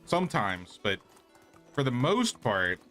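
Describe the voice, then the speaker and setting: A man's voice: mid-range voice, sing-song, slow pace, pushed and bright. A man giving casual, rambling gameplay commentary as a streamer, thinking aloud as he goes. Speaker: game streamer. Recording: game music behind. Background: game music.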